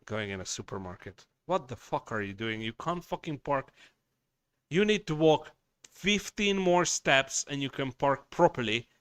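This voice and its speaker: A man with a bright, tense tone and a smooth, crisp voice runs a casual livestream. He talks in a slow, unhurried way, thanks viewers and wanders from topic to topic. His speech is blunt and profane. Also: medium pitch, animated, no room sound. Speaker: livestream host. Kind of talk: casual livestream chat reading viewer messages.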